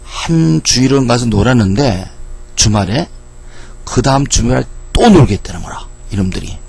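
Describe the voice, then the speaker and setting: Gravelly-voiced man teaching English. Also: mid-range voice, normal speed. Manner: lively, asks and answers his own questions. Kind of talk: grammar lecture.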